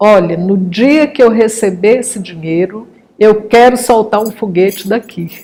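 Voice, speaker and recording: Against noticeable background noise, a woman talks at a fairly slow pace in a medium pitch with ordinary pitch variation. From Anápolis, Goiás, Brazil. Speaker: retired labour court civil servant. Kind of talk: oral history interview answer.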